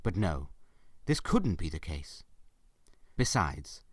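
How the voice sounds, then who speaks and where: A man narrating a scripted story in a dramatic, expressive storytelling style. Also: low voice, slow, dry recording, studio quality. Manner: expressive, theatrical.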